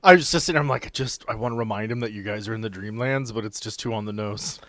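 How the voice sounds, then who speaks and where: A man's voice: lowish voice, fast talker, a bit bright, dry recording. A man acting as game master on a podcast, mixing casual narration with banter.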